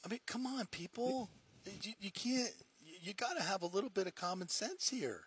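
A man's voice: high voice, expressive, normal speed, fairly bright tone, slightly rough. A man hosting a sports talk show, ranting heatedly and emphatically in casual talk, mocking the people he quotes.

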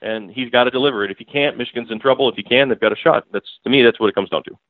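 A man's voice: mid-range voice, rapid-fire, dry recording. A man speaks bluntly and keeps hammering his point, his voice thin and boxed in as if over a phone line. The sound is dry and close, with no room around it. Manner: emphatic, blunt, repeats points. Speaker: newspaper beat writer, guest. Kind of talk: casual podcast interview.

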